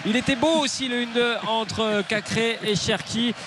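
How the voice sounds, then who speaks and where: Man, radio play-by-play football caller, high voice, noisy booth. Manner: brisk, excited calls of the action. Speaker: play-by-play commentator. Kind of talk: live radio football commentary.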